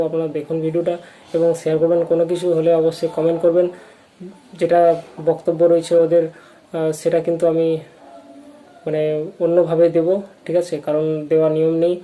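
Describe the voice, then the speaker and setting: This informal update to viewers comes from a channel host with a West Bengal accent whose delivery is halting and repetitive, as if new to presenting. The voice is medium-pitched with a dark tone, and the recording quality is low.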